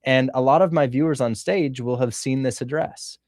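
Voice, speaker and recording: Host, man, energetic coach on a video call, close dry sound, mid pitch. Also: moderate pace, no room sound. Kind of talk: livestream interview.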